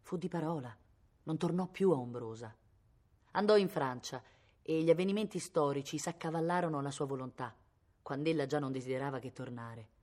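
A woman's voice: low-pitched, a little fast, a little mellow. A woman from Italy reading a novel aloud expressively, her voice rising with the drama. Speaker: reader.

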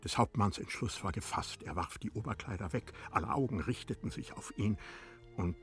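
A man narrating a literary radio play in a measured, expressive storytelling manner. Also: fairly low pitch, faint music behind.

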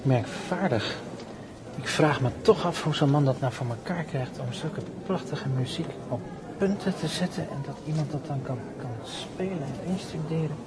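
An actor playing an amazed, admiring concertgoer, chatting in a radio play. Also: male voice, fairly high pitch, moderate pace, natural voice. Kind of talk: Dutch radio drama acting, chatty. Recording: clearly noisy, with ambience.

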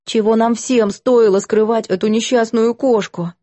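An earnest young woman, put on by a woman reading a storybook, speaks quietly with a sharp edge. The tone is mellow and the sound is dry. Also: a little high, fairly even intonation, no room sound, pitched above the performer's own voice, natural voice. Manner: earnest, quick to anger.

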